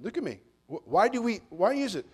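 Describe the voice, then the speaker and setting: A middle-aged man preaching a sermon as pastor, folksy and joking, building up to shouted passages. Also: high-pitched, very animated, fairly quick, husky.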